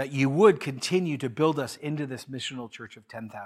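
This man has an unremarkable speaking voice with ordinary pitch variation. The recording is very clean, with a silent background. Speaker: pastor. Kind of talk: sermon; fervent closing prayer, sermon. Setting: church. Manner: earnest, pleading, fervent.

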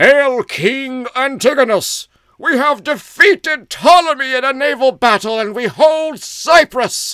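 Putting on a character voice, a man projects loudly at an extremely high pitch and a fairly slow pace. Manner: excited, triumphant.

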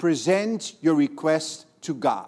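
In a Dutch accent, a man talks very slowly with lively intonation and a dark, mellow tone on a very clean recording with a silent background. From Netherlands. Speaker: missionary preacher. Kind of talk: sermon. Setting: church.

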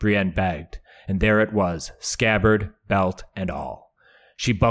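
The voice reads aloud in a natural voice with fairly even intonation. The background is quiet.

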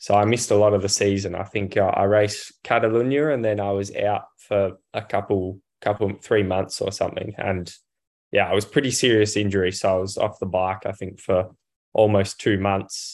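A fairly quick man with an Australian accent, fairly low pitch and fairly even intonation. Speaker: professional road cyclist. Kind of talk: casual interview. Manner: articulate, well-spoken.

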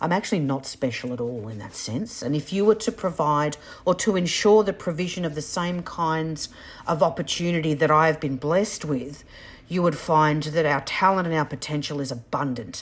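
Speaking at a moderate pace, a woman uses a very deep, low pitch with lively intonation. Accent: Australian. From New South Wales South Coast, Australia. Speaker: university chancellor and medical doctor. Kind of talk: interview.

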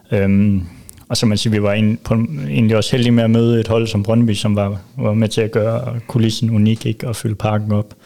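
Against noticeable background noise, a man with a fairly low voice speaks at a moderate pace, keeping very even loudness and fairly even intonation. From Denmark, Silkeborg (central Jutland). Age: 20s. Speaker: retired footballer. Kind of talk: interview. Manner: halting.

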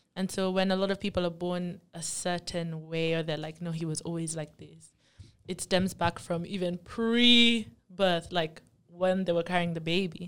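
A woman speaks in an unremarkable speaking voice at a fairly low pitch. Her pace is moderate. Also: fairly even intonation. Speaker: podcast guest. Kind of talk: casual chat.

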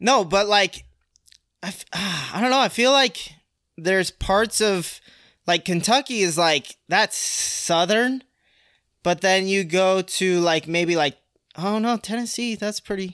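On a very clean recording with a silent background, a man with a high pitch and a bright, sharp tone talks at a fairly slow pace with ordinary pitch variation, the sound dry and close with no echo. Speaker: podcast co-host. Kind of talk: casual banter. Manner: joking, chatty.

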